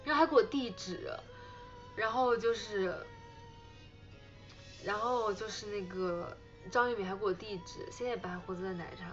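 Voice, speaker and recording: A young woman hosts a casual idol livestream over her phone, her mid-range, slightly bright voice moving at normal speed with frequent pauses. She rambles with plenty of fillers, thanks viewers for gifts, and bursts into giggles while retelling a story. Soft music plays in the background, and the highs are cut off.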